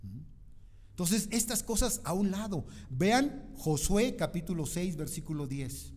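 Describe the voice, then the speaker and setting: A man's voice: high-pitched, very animated, unhurried, darkish tone, in a large hall. A male pastor preaching, reading scripture dramatically and constantly prompting his congregation with short questions. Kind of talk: sermon. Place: church hall.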